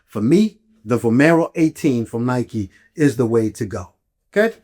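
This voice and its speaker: A man's voice: medium pitch, big pitch swings, moderate pace, mellow. A man from Malawi talking casually and explanatorily as a podcast host, emphatic and often checking in with the listener. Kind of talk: casual explanatory talk to listeners about gear.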